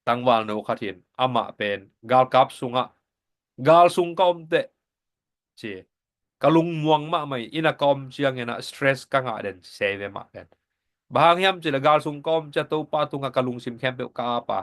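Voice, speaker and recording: A man leads a Sabbath School lesson, explaining each point in a steady, unhurried teaching manner. His voice sits at a mid pitch for a man. He sounds like a regular teacher walking a class through the study.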